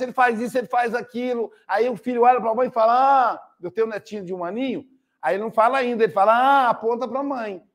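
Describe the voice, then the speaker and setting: Older brazilian guy giving a spiritist talk, kinda high voice, acts out little stories. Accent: Brazilian Portuguese. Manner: storytelling with acted quotes. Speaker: spiritist speaker.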